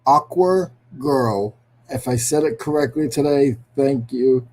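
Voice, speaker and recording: A man's voice: mid-range voice, steady tone, moderate pace, warm tone. A man with a New England accent hosting a casual live stream, greeting viewers by name and joking about himself. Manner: chatty, greets viewers by name, self-deprecating jokes. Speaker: livestream host. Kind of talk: casual livestream chat.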